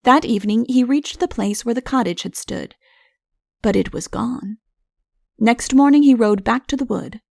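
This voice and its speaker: Female audiobook narrator, slightly high voice, creaky texture, scripted comic fairy tale reading. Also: moderate pace, a little mellow, dry recording, studio quality.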